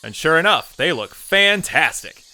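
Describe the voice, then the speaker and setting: A man's voice: fairly high pitch, big pitch swings, unhurried, sharp tone, a little hiss or hum, exaggerated voice, poor audio. A man playing a wry narrator of an audio drama, reading scripted scene descriptions. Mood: wry, descriptive.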